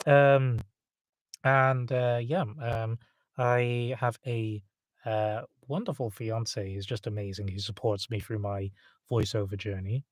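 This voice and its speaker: A British man with a hint of American in his accent, a voice actor chatting on a live stream, halting with many fillers. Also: medium pitch, steady tone, no echo. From England. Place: home studio.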